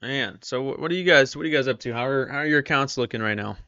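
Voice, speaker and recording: A live-stream trader hosts a casual broadcast, his mid-range voice strained and tired as he loses it. He talks quickly with a sharp edge, chatting and reading viewer comments aloud. The recording is muffled, with no echo.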